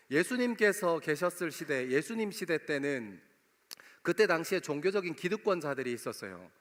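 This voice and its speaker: A young pastor speaking a regional Korean dialect delivers a conversational sermon to young worshippers in a church sanctuary. His voice sits on the high side and is a bit bright, and the recording carries long hall reverb.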